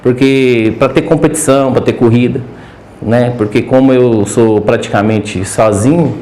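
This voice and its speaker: A man with a Minas Gerais accent talks in a hesitant, nervous way as a podcast guest, stopping and restarting his sentences. His voice is mellow and dark, and it carries a noticeable room echo. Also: mid-range voice, fairly even intonation, moderate pace. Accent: Minas Gerais Portuguese. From Brazil. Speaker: podcast guest, pigeon breeder. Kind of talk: casual interview chat.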